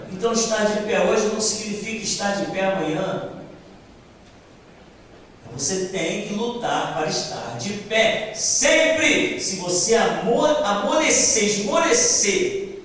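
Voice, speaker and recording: A man's voice: sits high, animated, takes it slowly, fairly bright tone, slight background noise. A male preacher delivering an impassioned sermon and acting out biblical dialogue. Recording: echoey hall, distant mic.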